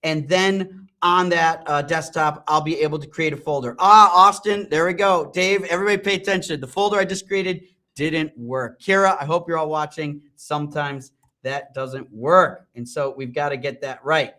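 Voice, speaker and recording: A middle-aged man hosting a live-streamed product talk and software demo, enthusiastic and rambling, with frequent ums and restarts. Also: fairly high pitch, steady tone, normal speed. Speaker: host and company CEO.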